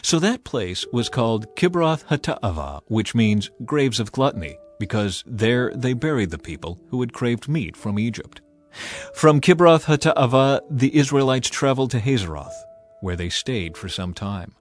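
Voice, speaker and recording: A man narrating a dramatized Bible reading in a deliberate, solemn and expressive way. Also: medium pitch.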